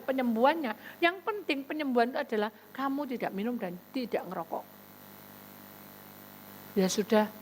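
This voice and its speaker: Animated woman pastor preaching. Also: slight background noise, rough recording. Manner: animated storytelling, sudden high exclamations, quoting others. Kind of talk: sermon.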